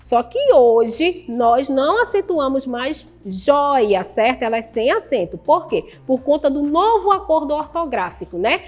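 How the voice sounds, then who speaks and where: Brazilian woman teacher, high voice, patient, quizzes and praises students, faint music behind. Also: animated, measured pace, hardly any pauses, darkish tone. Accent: Brazilian Portuguese. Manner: patient, asks the class questions and praises answers. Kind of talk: recorded online Portuguese lesson.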